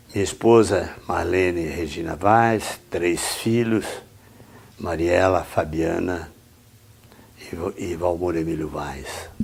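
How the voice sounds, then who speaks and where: Over noticeable background noise, a man with a very deep, low pitch speaks at a very slow pace with ordinary pitch variation and long, frequent pauses. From southern Brazil, Santa Catarina. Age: 70s. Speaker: retired army major and businessman, interviewee. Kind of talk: oral history testimony.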